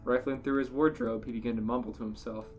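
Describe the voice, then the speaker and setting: A man's voice: medium pitch, fairly even intonation, fast. A man co-hosting a podcast, reading out comic fan fiction as a narrator. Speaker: podcast co-host reading a story. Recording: music playing under the voice. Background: music.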